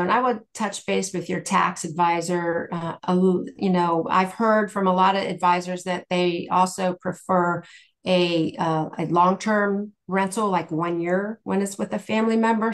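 A woman guest speaker answering questions in a measured, careful, explanatory way. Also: fairly low pitch. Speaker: guest speaker, tax exchange specialist.

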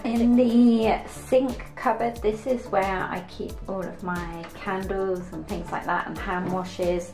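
Brit woman casual vlog chat, upbeat, medium pitch, music faint behind. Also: darkish tone, low-quality recording. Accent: British English. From United Kingdom. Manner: chatty and upbeat. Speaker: vlogger. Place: living room at home.

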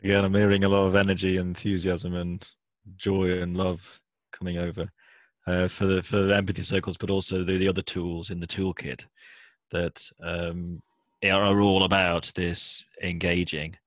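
A very deep-voiced man speaks calmly on a video call, carefully mirroring what he has heard. The sound is dry and close, with no room around it. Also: normal speed, dry recording. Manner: calm, reflective paraphrasing. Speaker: listener reflecting back in an empathy circle. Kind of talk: casual video call discussion.

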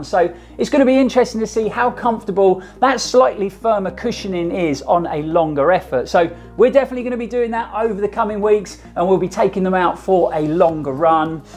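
Energetic middle-aged male reviewer, chatty to camera, faint music bed. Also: high-pitched. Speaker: running shoe reviewer. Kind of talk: upbeat gear review to camera. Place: small home studio, indoors.

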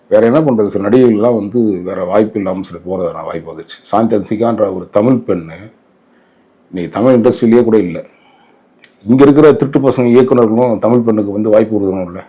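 A man's voice: on the low side, mellow, slightly rough. A man with a Tamil Nadu accent giving opinionated interview commentary in an emphatic, indignant way, often posing rhetorical questions.

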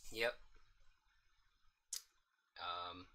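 Hoarse man chatting while streaming a game. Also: sits low, fairly even intonation, extremely slow, sharp tone. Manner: rambling, thinking aloud with fillers. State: hoarse, coughing. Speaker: streamer reading a visual novel aloud. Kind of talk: casual let's-play commentary.

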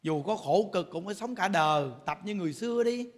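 A man's voice: high voice, lively intonation, a little fast. A man, a Buddhist monk giving a sermon, telling humorous stories and laughing as he talks. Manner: humorous storytelling, laughs while talking. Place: temple lecture hall. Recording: long hall reverb.

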